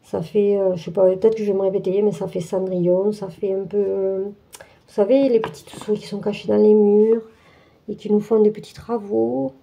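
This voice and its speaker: Lady unboxing a craft kit, very dark mellow voice, lots of euh and restarts. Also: mid-range voice, flat delivery, moderate pace, vocal fry. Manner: chatty, hesitant, many fillers and restarts. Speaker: craft channel host. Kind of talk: casual unboxing walkthrough.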